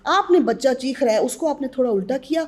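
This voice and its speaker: A woman's voice: high voice, lively intonation, a little mellow, husky. A woman who is a guest on a podcast interview, earnestly advising mothers on newborn care and addressing them directly.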